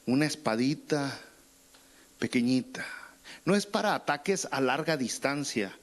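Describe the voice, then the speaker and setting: A pastor preaching a sermon, casual and conversational, with colloquial asides. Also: male voice, medium pitch, lively intonation, unhurried. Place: church.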